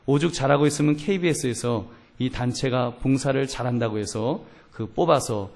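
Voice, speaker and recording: Emphatic preaching pastor. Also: male voice, mid-range voice, moderate pace, darkish tone. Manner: emphatic, rhetorical questions to the congregation; storytelling with voiced quotes. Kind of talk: sermon.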